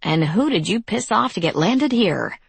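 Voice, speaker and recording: A woman voicing a defiant young woman who speaks in a sharp, cutting, taunting way. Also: mid-range voice, lively intonation, moderate pace, vocal fry, slightly rough, dry recording, pitched above the performer's own voice, full character voice.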